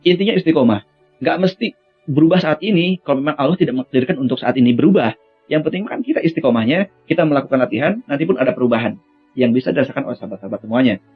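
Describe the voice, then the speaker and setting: A man's voice: mid-range voice, lively intonation, rapid-fire, breathy edge, narrow, tinny audio, faint music behind. A young man teaching Quran recitation singing in a casual, friendly lesson, with sung chant demonstrations. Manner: friendly, addresses viewers as friends, breaks into melismatic chant. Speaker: vocal coach for Quran recitation.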